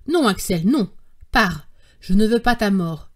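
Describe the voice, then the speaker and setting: A woman voicing a stubborn, fiery old male professor in an audiobook, talking forcefully and insistently. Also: medium pitch, animated, unhurried. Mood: stern, insistent. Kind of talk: audiobook character reading.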